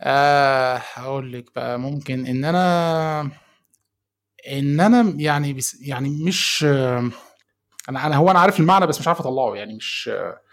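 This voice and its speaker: A man's voice: mid-range voice, brisk, fairly bright tone, no room sound, studio quality. A young man from Egypt with an Egyptian Arabic accent, a podcast guest talking in an easygoing way, searching for words as he reflects. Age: young adult. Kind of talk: casual podcast conversation.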